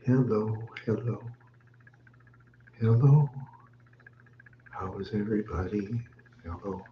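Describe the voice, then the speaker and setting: A man's voice: lowish voice, slow pace, slight background noise. A man chatting on a live stream, out of breath, rambling and repeating himself with little chuckles. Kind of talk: casual live-stream chat. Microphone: webcam mic. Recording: echoey room, dull webcam audio.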